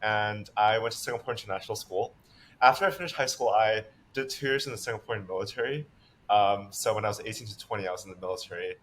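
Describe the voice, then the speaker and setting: Low-voiced young man from Hong Kong. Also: quick pace, slight background noise. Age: 20s. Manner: relaxed, thoughtful, uses "like" often. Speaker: guest, college swimmer. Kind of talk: casual interview.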